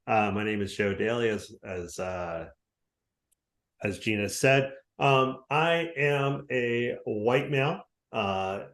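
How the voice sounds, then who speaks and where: A man moderating an online panel, chatting casually in a self-deprecating way with fillers. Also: lowish voice. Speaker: panel moderator and podcast host. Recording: roomy video-call audio.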